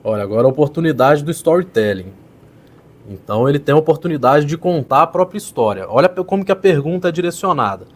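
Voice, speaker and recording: A man, a public speaking coach, casually explaining and critiquing a politician's speech as he pauses the clip. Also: fairly high pitch, animated. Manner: explanatory, pauses clips to critique, repeats "então". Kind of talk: casual video commentary.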